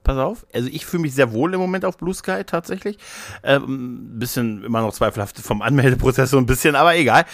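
A man's voice: mid-range voice, fast. A man talks in a casual podcast style, with a mid-range voice and a dry recording free of room echo. He is chatty and rambling, often breaking off his own sentences to start them again. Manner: chatty, rambling, self-interrupting. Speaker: podcast co-host.

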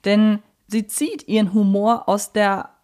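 A woman's voice: mid-range voice, slow, darkish tone. A woman co-hosting a talk podcast, reflecting aloud in a conversational, analytical way and explaining her view point by point. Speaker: podcast co-host.

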